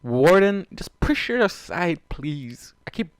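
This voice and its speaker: With a fairly high, clear and resonant voice, a man takes his time reading fan fiction aloud, very animated as he angrily rants and swears at the characters directly. There's no room sound on the recording.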